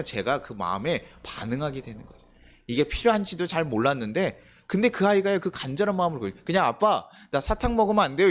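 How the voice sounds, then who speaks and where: A male pastor giving a conversational sermon, asking the congregation questions and acting out quoted voices. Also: on the high side. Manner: conversational preaching with rhetorical questions; acts out quoted voices of children and God.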